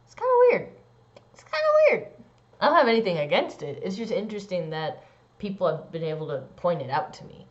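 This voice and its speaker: A young trans man vlogging a casual personal update, rambling with lots of "like" and "um" and swooping into squeaky high bits. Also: big pitch swings, brisk. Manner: rambling, many likes and ums. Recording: dull lo-fi sound.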